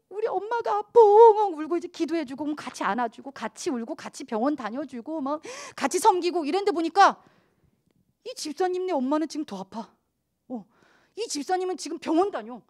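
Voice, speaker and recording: A middle-aged woman pastor preaching a youth sermon, animated, acting out the voices of children and church members as she goes. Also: high-pitched.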